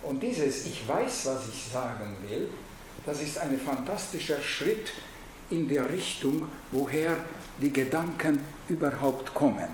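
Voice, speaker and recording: A man with a Hungarian accent gives a reflective lecture, halting and searching for words, with frequent restarts. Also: medium pitch, expressive, slight background noise. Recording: very echoey room.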